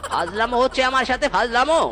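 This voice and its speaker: An actor voicing a miserly, quick-tempered old duck father in a comedy cartoon, scolding and repeating words in exclamations. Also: mid-range voice, expressive, sharp tone. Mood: irritated, haggling. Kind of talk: Bengali comedy cartoon dialogue.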